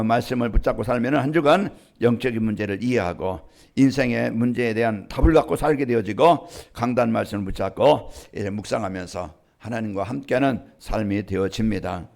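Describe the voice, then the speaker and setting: A man's voice: medium pitch, creaky, darkish tone. A man pastor delivering a sermon to his congregation, posing rhetorical questions in an emphatic preaching cadence.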